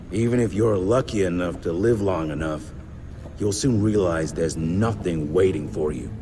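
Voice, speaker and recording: An actor playing a gruff, world-weary veteran field agent in a video game, blunt and folksy in manner. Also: male voice, deep voice, noisy background. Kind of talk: video game cutscene acting. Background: music.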